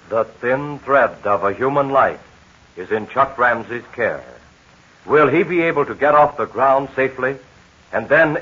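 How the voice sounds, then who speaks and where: An American man announcing in a dramatic, emphatic 1940s radio style, narrating a serial and pitching its sponsor. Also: husky. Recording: muffled, tinny vintage radio broadcast.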